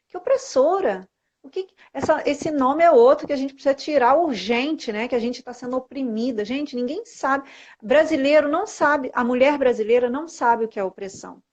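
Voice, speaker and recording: A woman's voice: high-pitched, a little mellow. A woman with a Brazilian Portuguese accent, a guest mentoring women, talking in an emphatic, preachy way on a live video call. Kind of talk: casual live-stream conversation. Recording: muffled live-stream audio.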